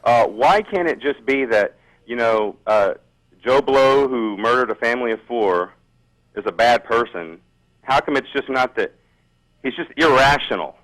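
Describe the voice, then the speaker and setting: A man's voice: medium pitch, animated, unhurried, fairly bright tone, rough recording. A man speaking as a radio show caller in an unscripted debate, hesitant and often repeating himself, as if on a phone-in.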